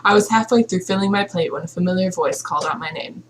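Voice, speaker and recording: A woman's voice: on the low side, quick pace, a little hiss or hum. A woman co-hosting a game playthrough, chatting casually and reading the game's text aloud into a headset.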